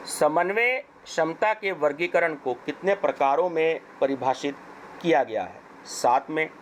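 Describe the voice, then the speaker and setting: A hoarse man with an Indian accent, teaching as he goes through an exam paper question by question. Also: fairly high pitch, a little hiss or hum, rough recording. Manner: slow, deliberate question-and-answer reading.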